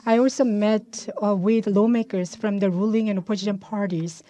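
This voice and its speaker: A woman working as a live interpreter of a formal speech, with a measured, halting delivery. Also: mid-range voice, steady tone, warm tone.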